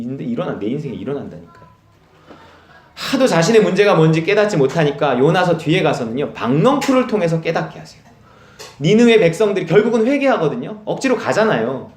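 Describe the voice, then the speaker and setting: A man preaching a Sunday sermon with a lively, swinging voice that sits a little high. He tells stories and acts out dialogue with plenty of laughter. The sound carries the echo of a church hall. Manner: animated storytelling, acts out quoted dialogue, laughs often. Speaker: pastor. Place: church sanctuary.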